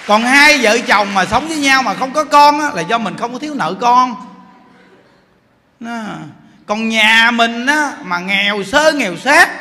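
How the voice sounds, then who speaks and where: A man with a Southern Vietnamese accent preaches a Buddhist sermon, animated and joking as he tells stories. His voice is very high and bright. It rings through a reverberant hall with faint background noise. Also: unhurried. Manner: animated, joking storyteller, laughs often. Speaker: Buddhist teacher.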